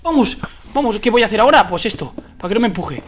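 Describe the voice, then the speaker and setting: Excitable Spanish man gaming. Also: high-pitched, fast talker, a little hiss or hum. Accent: Spain Spanish. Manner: excitable, swings from muttering to loud shouts. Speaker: gaming video creator. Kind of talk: excited gameplay commentary.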